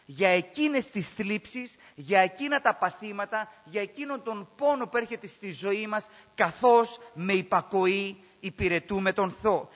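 A high-pitched man preaches a sermon, stressing his points by repeating key phrases and posing rhetorical questions to his listeners. His voice carries a long echo through a church hall, and the recording sounds dull and lo-fi. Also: fairly bright tone.

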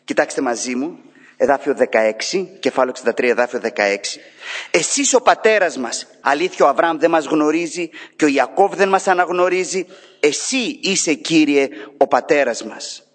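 A man preaching a sermon with dramatic swings, rising sharply when he voices cries and dropping low and soft for replies. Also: animated. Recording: long hall reverb.

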